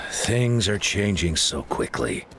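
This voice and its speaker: An actor playing a worried, thoughtful tribal leader who speaks gravely and deliberately. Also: male voice, sits low, sing-song, sharp tone, a little hiss or hum, heavily acted.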